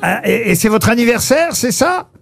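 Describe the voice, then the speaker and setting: A man's voice: extremely high pitch, big pitch swings, moderate pace, gravelly. A man hosting a radio call-in show, joking and teasing the callers. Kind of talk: casual call-in radio banter. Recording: radio broadcast with background noise.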